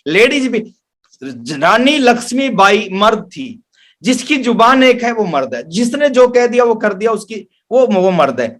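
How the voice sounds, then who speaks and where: A man's voice: high-pitched, a bit bright. A male business trainer delivers a motivational talk. He is emphatic, driving points home through repetition and telling them in an anecdotal style. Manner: emphatic, repeats phrases for effect. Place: online webinar.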